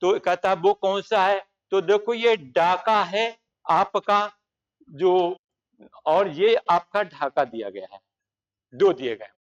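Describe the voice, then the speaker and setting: A man's voice: high voice, lively intonation, slow, recorded from a distance, highs cut off. A man teaching a grammar lesson for exam preparation, explaining at length and pointing out examples on the board.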